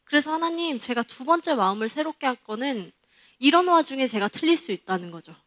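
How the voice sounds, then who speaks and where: A woman's voice: high voice, expressive, a little fast, a bit bright. A young woman junior pastor preaching a personal testimony in a candid storytelling way, acting out the voices she quotes. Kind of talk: testimony sermon.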